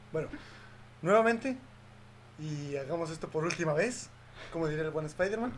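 A man with a fairly high pitch and lively intonation talks at a moderate pace with long, frequent pauses, and audible room echo is present. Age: 20s. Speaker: podcast host. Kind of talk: casual chat.

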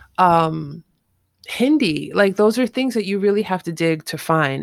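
With a New York accent, a woman speaks at a moderate pace with lively intonation. The sound is dry and close with no echo, and the recording is very clean with a silent background. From New York City, the Bronx. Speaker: podcast host. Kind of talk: casual interview.

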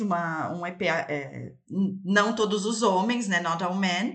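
Noticeable background noise accompanies a woman whose medium-pitched voice shows ordinary pitch variation. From Brazil, Florianópolis. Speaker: podcaster. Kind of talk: casual chat.

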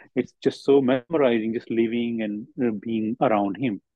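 In an Indian accent, a man speaks at a moderate pace and medium pitch, with ordinary pitch variation. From India, Haryana (Kaithal). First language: Hindi. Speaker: professor and film actor. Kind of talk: interview.

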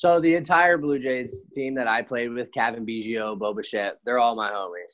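With an American accent, this voice moves at a moderate pace with ordinary pitch variation and hardly any pauses. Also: man, medium pitch for a man. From California, Santa Monica. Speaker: professional baseball pitcher. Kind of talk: interview. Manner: casual, filler-heavy.

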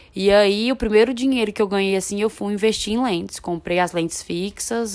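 A woman's normal speaking voice, medium-pitched with ordinary pitch variation at a fairly quick pace, in a very clean recording with a silent background. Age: 20s. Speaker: family photographer. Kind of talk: casual interview chat.

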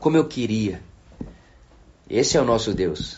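A man talks at a medium pitch and a fairly slow pace, somewhat breathy, with lively intonation. Audible room echo surrounds his voice. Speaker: pastor. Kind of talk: sermon. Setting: live stream. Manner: casual, conversational.

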